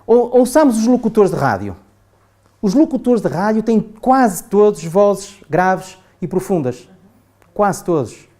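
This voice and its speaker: This trainer's warm voice sits high, with big pitch swings and a slightly slow pace. Speaking with a European Portuguese accent, he gives adults a chatty classroom lecture, often turning to the group with "não é?".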